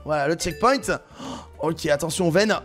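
French gamer guy, high voice, yelps and laughs through his game, faint music behind. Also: normal speed. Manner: animated, exclaiming and laughing often. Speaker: gaming YouTuber. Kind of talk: excited gameplay commentary.

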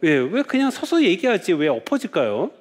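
A man's voice: high-pitched, huge pitch swings, moderate pace, husky. A man, a Catholic priest, giving a lecture, telling stories and asking rhetorical questions with frequent "yes" fillers.

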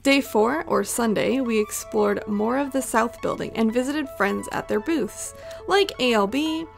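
A woman vlogger narrates over her footage in a chatty, playful way. Her voice sits a little high and has a gravelly fry to it. Soft music plays underneath. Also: measured pace. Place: home voice-over recording.

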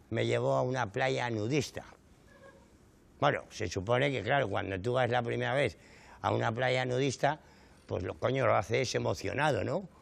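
A man's voice: mid-range voice, gravelly. A middle-aged man with a Canary Islands Spanish accent performs a stand-up monologue, telling his stories with indignant exaggeration and frequent rhetorical asides to the audience. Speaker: comedian. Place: studio stage before a live audience.

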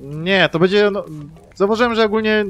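A young man hosting co-op gameplay commentary, chattering excitedly, swearing and then apologizing for it. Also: sits high, brisk, muffled recording, soft background music. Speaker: let's play host.

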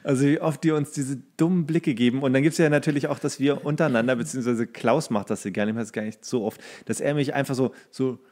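A man's voice: mid-range voice, fairly even intonation, quick pace, few pauses, darkish tone. A man co-hosting a podcast, telling rambling anecdotes in casual, comedic chat and acting out quotes. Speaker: podcast co-host.

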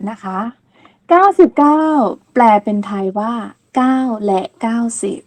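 A woman giving a patient counting lesson, repeating each word slowly and clearly and ending phrases politely. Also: on the high side, expressive. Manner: polite, ends phrases with soft particles. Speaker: language teacher. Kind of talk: slow step-by-step counting lesson.

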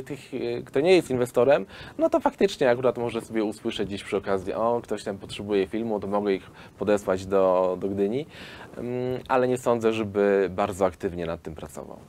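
A man in his thirties with a fairly low voice lays out his company's plans in a seated studio interview. He talks at length, explaining steadily but filling gaps with ums and restarts. A faint hiss sits under the recording. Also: normal speed, a little mellow. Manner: explanatory, hesitant with frequent fillers. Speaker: film studio founder pitching investors. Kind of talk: business interview. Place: film studio hall.

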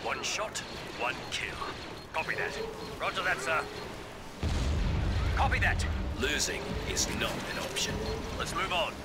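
An actor voicing disciplined clone trooper soldiers, giving clipped military acknowledgements in a strategy game. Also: male voice, a little high, sing-song, measured pace, pauses often. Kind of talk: game unit voice lines. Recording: game audio with battle noise.

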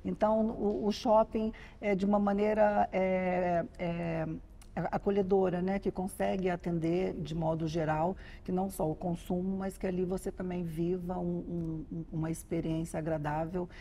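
A woman's voice: lowish voice, level tone, normal speed, mellow. A Brazilian woman in her forties interviewing conversationally, often repeating words as she forms her questions. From Goiás, Brazil. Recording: faint ambient noise behind speech.

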